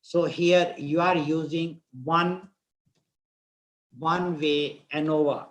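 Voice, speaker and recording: A man with a North Indian accent teaches a class online in a fairly high voice. He is deliberate in his explanations and often repeats a phrase before moving on. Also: flat delivery. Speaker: instructor. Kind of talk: live online statistics lecture.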